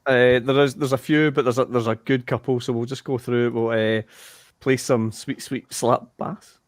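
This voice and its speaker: A comedian reads audience suggestions aloud, deadpan and a little hesitant. His voice sits at an ordinary middle pitch. The sound is dry and close, as on a video call. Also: moderate pace, dry recording.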